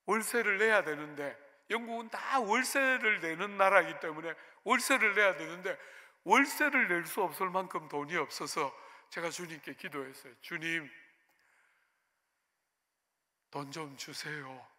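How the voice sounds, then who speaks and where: A man's voice: sits high, expressive, moderate pace, bright, forceful tone. A middle-aged male pastor preaching a sermon, telling a personal story and asking the congregation rhetorical questions. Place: church sanctuary. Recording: long hall reverb in a church.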